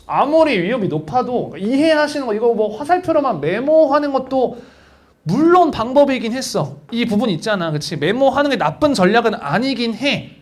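A young male teacher giving a casual exam prep lecture. His voice sits high and swings widely in pitch. He talks in a chatty storytelling way and acts out the people he quotes.

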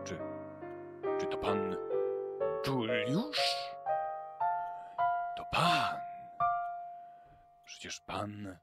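A man's voice: lowish voice, big pitch swings, very slow, long pauses, exaggerated voice. A man as a stammering, flustered bar boss. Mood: flustered, deferential. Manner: stammering, hesitant, eager to please. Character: flustered, obliging male beach-bar boss. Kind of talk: improvised children's radio play. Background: piano music.

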